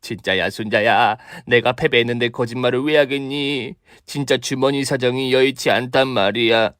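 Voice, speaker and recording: A man's voice: mid-range voice, normal speed, fairly bright tone, dry recording, close to an everyday voice. A shameless older mother-in-law from a comic radio drama, put on by a man, in a dry, close sound. She is a brash freeloader with a melodramatic, wheedling way of talking. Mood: defeated, pleading.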